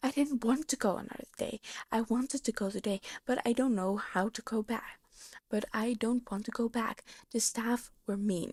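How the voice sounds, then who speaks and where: In a put-on character voice, a woman speaks at a moderate pace with a rumbling, fairly high pitch and fairly even intonation, on a very clean recording with a silent background. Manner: grumbling.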